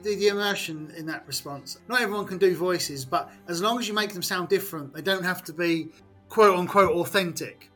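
An English man chats casually as a podcast co-host. His voice sits a little high for a man and is bright and forward, over quiet background music. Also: brisk. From England. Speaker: podcast co-host and game master. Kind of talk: casual chat.

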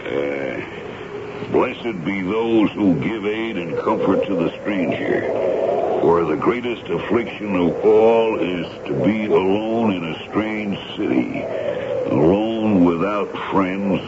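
A man playing a dutiful, suspicious army sergeant in a 1970s radio drama, gravelly, folksy and deferential. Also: low-pitched, lively intonation, takes it slowly, exaggerated voice. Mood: gruff, obedient. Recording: noisy, dull 1970s radio broadcast recording.

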